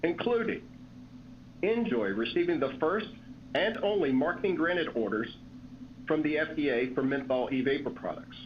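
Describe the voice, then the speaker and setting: A man reading scripted remarks as a company executive on an earnings call. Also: fairly high pitch. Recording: dull lo-fi call audio, clear noise.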